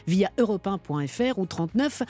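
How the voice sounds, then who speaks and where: Woman, radio host, upbeat, teasing, mellow tone. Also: medium pitch, expressive, brisk. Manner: upbeat, teasing, laughs often. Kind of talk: radio show hosting.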